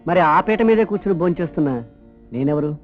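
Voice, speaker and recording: A man in a film scene, teasing and full of wordplay, giving lines in quick comic dialogue. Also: high voice, animated. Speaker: scheming elderly guardian in a comedy film. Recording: dull lo-fi film audio with music.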